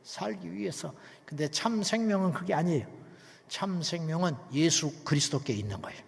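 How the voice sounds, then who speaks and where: A male pastor preaching an emphatic sermon, dropping to near whispers and then rising loud, with many rhetorical questions to the congregation. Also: on the high side, animated, moderate pace, gravelly, long reverb tail.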